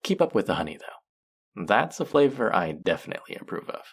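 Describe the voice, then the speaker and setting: A man acts out a male faerie trickster for an intimate audio drama, with a low, gravelly voice that swings widely in pitch. He is smug and playfully stern, drawing out his words as he teases and scolds like someone firmly in charge. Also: big pitch swings, full character voice. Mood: smug, commanding. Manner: teasing, drawn-out, mock-scolding, sultry.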